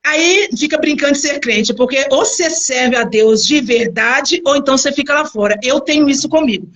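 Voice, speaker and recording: A middle-aged woman pastor giving a personal testimony, telling her story in a lively way and acting out the people in it. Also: sits high, moderate pace. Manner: animated storytelling, acts out quoted people.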